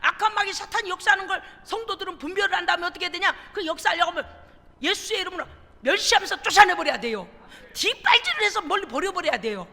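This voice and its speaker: A woman pastor preaches emphatically, prompting her congregation for responses, in a very high, bright voice. A gravelly rasp runs under her words, and a long reverb trails from the church sanctuary. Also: lively intonation, fast. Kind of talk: sermon.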